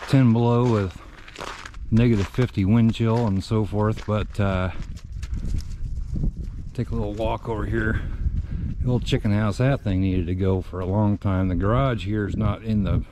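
Plain-spoken man, low voice. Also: steady tone, normal speed, long pauses, dark tone, slight background noise. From central Iowa. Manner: rambling, plain-spoken, lots of uh and restarts. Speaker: vlogger, farm shop owner. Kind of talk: casual walk-around update. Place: outdoors on a farmyard in winter, also inside a shop.

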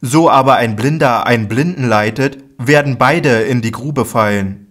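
A man voicing a grave, admonishing teacher, declaiming slowly and emphatically in a Bible audiobook reading. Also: mid-range voice, a bit bright, natural voice.

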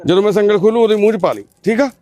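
Gently coaxing Punjabi man. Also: sits high, expressive, rapid-fire. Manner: gentle, repetitive coaxing, calling the man brother. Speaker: volunteer at a care shelter. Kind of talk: coaxing talk and narration to camera.

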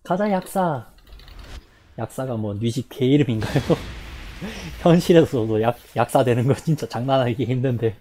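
Low-voiced, lively woman streamer. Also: normal speed, slight background noise. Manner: excitable, bursts into loud cries and laughter; reads viewer chat aloud. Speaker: streamer playing a fighting game. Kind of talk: live play-by-play of her own match. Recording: game music playing loudly behind.

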